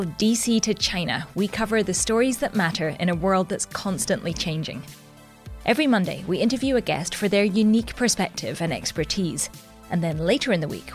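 A woman reading a scripted podcast promo. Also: mid-range voice. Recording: music bed under the voice. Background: music.

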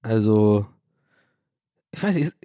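A man's voice: lowish voice, expressive, slow pace, warm tone, no echo, clean studio sound. A man from Ireland hosting a podcast, rambling and joking in casual chat, swearing and mocking himself. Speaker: podcast host.

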